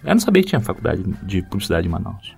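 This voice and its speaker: A man's voice: low voice, big pitch swings, rapid-fire, vocal fry, darkish tone, husky. A Brazilian man co-hosting a casual podcast, chatting and reading out listener mail. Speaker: podcast co-host. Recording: music behind.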